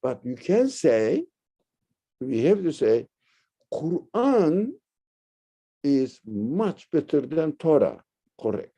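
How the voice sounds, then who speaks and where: A man from Turkey, teaching religion in a discussion, halting and searching for words, then rising sharply to stress key points. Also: a little high, sing-song, dark tone, breathy edge. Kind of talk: lecture-style discussion.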